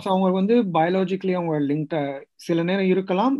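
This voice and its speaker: A man with an ordinary speaking voice talks with lively intonation. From Tamil Nadu, Madurai / Virudhunagar area. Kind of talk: interview conversation.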